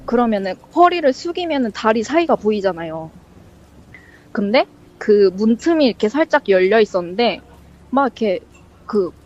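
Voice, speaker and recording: A woman casually telling a ghost story as a guest, rambling and full of fillers, acting out the lines she quotes. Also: mid-range voice. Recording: dull lo-fi sound.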